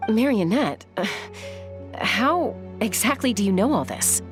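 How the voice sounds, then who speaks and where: A young woman playing a wary, protective tribal leader in a video game, measured and serious. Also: medium pitch, animated, music in the background, close to an everyday voice.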